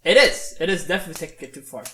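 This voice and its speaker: A man co-hosting a casual podcast chat, talking in an animated, opinionated way with lots of "like" and "right?". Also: fairly high pitch, rapid-fire, echoey room, a little hiss or hum. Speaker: podcast co-host.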